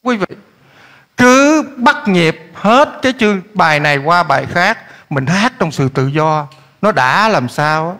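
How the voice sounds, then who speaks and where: A male pastor, preaching a lively sermon that swings between loud urging and quiet asides while he keeps questioning the congregation. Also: high voice, a little slow. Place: church hall. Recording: echoey church hall.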